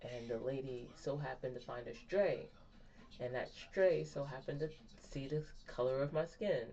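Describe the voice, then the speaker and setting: A woman's voice: extremely low pitch, moderate pace, dark tone. A woman in her thirties chatting candidly to her viewers in a rambling way, often laughing at herself. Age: 30s. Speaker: vlogger. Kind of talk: candid personal chat to viewers. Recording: dull lo-fi sound, faint music behind.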